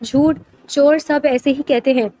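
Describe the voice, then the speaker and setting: A woman doing a harsh, accusing aunt from a storybook family drama, shrill and scornful. The voice is high, read in the narrator's own tone. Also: fairly even intonation, warm tone.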